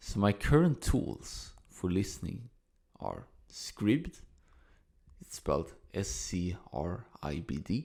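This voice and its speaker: Vocal fry with very wide pitch swings. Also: man. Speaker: podcaster and blogger. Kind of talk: casual talk to camera.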